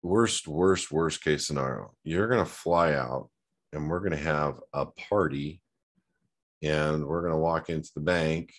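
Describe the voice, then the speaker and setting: Man, host, very low pitch, casual, conversational, halting with fillers. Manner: loose and conversational, many fillers and restarts. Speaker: host answering a viewer question. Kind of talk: casual advice talk, reading a question aloud then answering.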